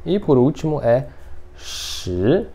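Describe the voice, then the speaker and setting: A Mandarin teacher giving an online language lesson, patiently checking in after each point and slowly repeating each syllable. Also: mid-range voice, lively intonation, mellow. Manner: patient, ends phrases with checking tags.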